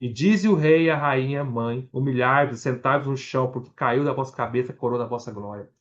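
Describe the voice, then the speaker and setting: A man's voice: mid-range voice, fairly quick, highs cut off. A Brazilian man with a Brazilian Portuguese accent preaching a Bible-study sermon, reading scripture aloud verse by verse, restarting words and explaining as he goes to the congregation. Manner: addresses the congregation directly.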